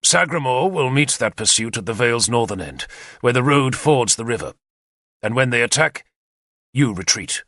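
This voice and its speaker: A man's voice: medium pitch, normal speed, no room sound, clean studio sound. A man voicing a bold, commanding warlord. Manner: energetic, decisive, commanding.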